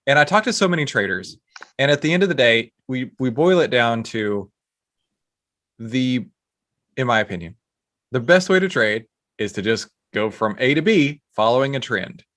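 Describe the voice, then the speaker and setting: A man's voice: medium pitch, big pitch swings, moderate pace, a bit bright, no echo, clean studio sound. A man hosting a podcast interview, talking eagerly with lots of restarts and fillers. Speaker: podcast host.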